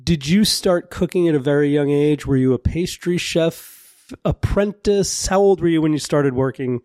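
A man's voice: on the high side, moderate pace, darkish tone, dry recording. Male co-host, enthusiastic, chatty, dry close sound. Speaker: podcast co-host. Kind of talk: conversational interview hosting. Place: venue on a city pier.

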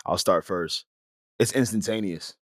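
A man's voice: low voice, a little slow, a bit bright, no room sound, studio quality. A man with an African American accent in casual, slangy podcast banter, joking as he hosts. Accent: African American English. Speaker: podcast host.

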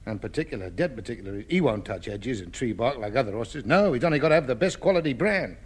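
An actor playing a cheeky, coaxing rag-and-bone dealer in a 1950s radio sitcom. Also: male voice, medium pitch, lively intonation, quick pace, husky. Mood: wheedling.

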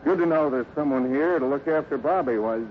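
An actor playing a steady, fatherly ranch boss with a plain-spoken, measured way in a 1950s radio western. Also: mid-range voice, lightly acted. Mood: friendly, frank. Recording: muffled, noisy old radio recording.

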